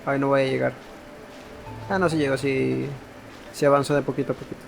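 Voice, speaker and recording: A man's voice: mid-range voice, flat delivery, quick pace, vocal fry, low-quality recording. A man with a Mexican accent giving casual commentary as he plays a video game. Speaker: gamer narrating his playthrough. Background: game music.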